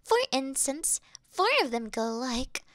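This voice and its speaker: A woman's voice: high voice, a little slow, no echo, studio quality. A woman voicing a devoted female demon servant who worships her mistress, fawning and flustered in a scripted audio roleplay. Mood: adoring.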